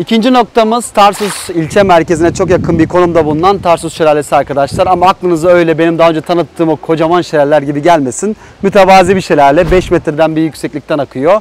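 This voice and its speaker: A man's high-pitched voice at a very fast pace with hardly any pauses, ordinary pitch variation and a dry sound with no echo. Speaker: travel vlogger. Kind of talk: casual vlog chat. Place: waterside. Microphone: lapel.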